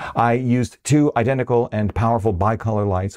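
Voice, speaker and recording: A man speaks in a dark, mellow tone against a quiet background. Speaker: video creator, gear reviewer. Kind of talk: talking-head tech commentary. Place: home room.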